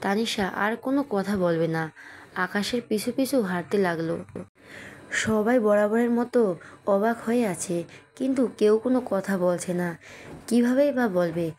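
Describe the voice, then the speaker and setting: A woman's voice: medium pitch, normal speed, a little mellow, a little hiss or hum. A woman narrating a romantic audio story, naming each character before their lines.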